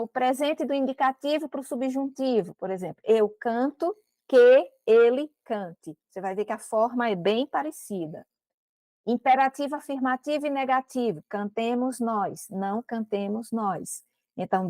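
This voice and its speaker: A woman's voice: on the high side, a little mellow, dry recording. A woman teacher with a Brazilian Portuguese accent, giving a recorded grammar lesson and explaining step by step, often checking with "né?" and "ok?".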